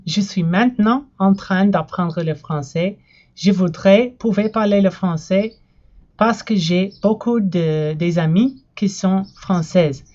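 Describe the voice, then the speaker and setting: An American woman, a young adult whose first language is English, talks casually through a home vlog and names household words one by one in a plain, unhurried way. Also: mid-range voice, a little mellow, muffled recording. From United States. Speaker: language learning vlogger. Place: her room and house.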